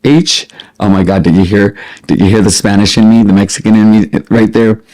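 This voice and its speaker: Chatty, expressive middle-aged man. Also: lowish voice, brisk. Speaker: vlogger. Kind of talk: casual chat to camera, answering listed questions.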